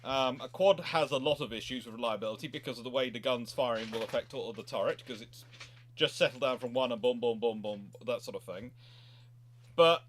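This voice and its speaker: A man's voice: medium pitch, fairly bright tone. A man hosting a history question-and-answer chat, explaining in a rambling way and often correcting himself mid-sentence. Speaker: livestream host.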